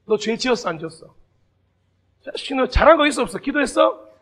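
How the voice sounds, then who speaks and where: Brief: male pastor doing a harsh, interrogating Jesus, blunt questions, high and husky. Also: very animated, fairly bright tone, full character voice. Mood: stern, grilling. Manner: blunt rapid-fire questioning.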